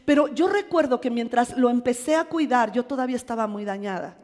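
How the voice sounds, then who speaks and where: A middle-aged woman pastor with a Mexican accent preaching a sermon, telling a personal story in an animated way with self-deprecating humor. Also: on the high side, brisk. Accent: Mexican Spanish. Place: church hall. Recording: long hall reverb in a church.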